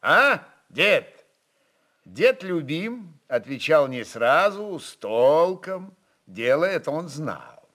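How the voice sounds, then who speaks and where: A man reads literary prose as an expressive narrator. His voice sits a little high, moves widely in pitch and keeps a slow, storytelling pace.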